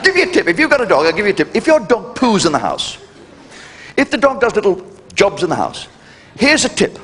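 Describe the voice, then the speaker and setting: An older man doing a live stand-up comedy routine, brash and cheeky, with sudden jumps in pitch for punchlines. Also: huge pitch swings, brisk, a bit bright. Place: live venue with audience laughter.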